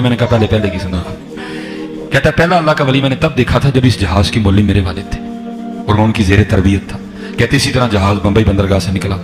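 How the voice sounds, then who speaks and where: A man preaching a sermon and telling a story dramatically, acting out the people in it. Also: fairly low pitch. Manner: dramatic storyteller voicing the people in his tale. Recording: sermon with loud background music.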